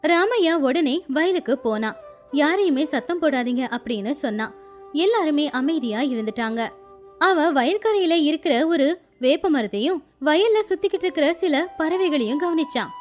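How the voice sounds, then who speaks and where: A woman narrating a children's moral story in a lively, sing-song storytelling manner. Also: sits high, normal speed. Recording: faint music behind.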